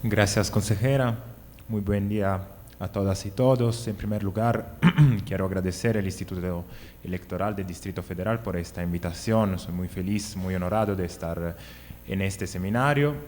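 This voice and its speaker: Speaking in an Italian accent with a fairly low pitch and ordinary pitch variation, a man is heard with audible room echo. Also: moderate pace. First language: Italian (speaking Spanish). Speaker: academic panelist. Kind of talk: conference talk. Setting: outdoor courtyard seminar with audience.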